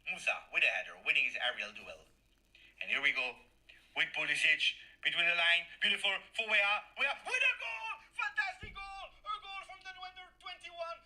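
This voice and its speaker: A man with French as his first language voicing an excitable male football match commentator, calling the plays with quick repeated phrases. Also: sits high, pitched above the performer's own voice, heavily acted, poor audio. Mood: excited. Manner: rapid repeated play-by-play calls.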